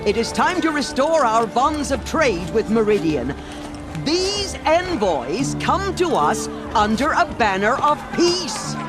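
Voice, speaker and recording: High-pitched ceremonial tribal leader. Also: male voice, sing-song, takes it slowly, heavily acted. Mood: solemn, declaiming. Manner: ceremonial public address. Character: formal tribal leader announcing peace. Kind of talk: dramatic video game speech. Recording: music behind the voice.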